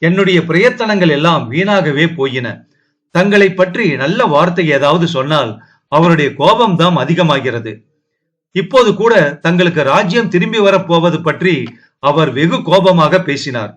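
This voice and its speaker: A tearful young princess speaks in a fairly high, pleading voice, read by a man narrating an audio novel. She sounds sorrowful and afraid. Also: lively intonation, moderate pace, fairly bright tone.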